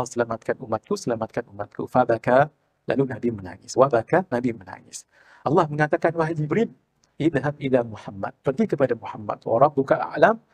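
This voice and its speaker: A Malaysian man gives a sermon as a religious teacher, his voice husky and mid-pitched. He recites Arabic lines slowly and then explains them, voicing the prophets' prayers with rising feeling. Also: darkish tone. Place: mosque prayer hall.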